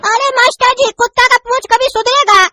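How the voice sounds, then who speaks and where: Performer voicing a squeaky mocking schoolboy. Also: fairly even intonation, fairly quick, loud music behind the voice. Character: teasing male student, Gora Kaddu.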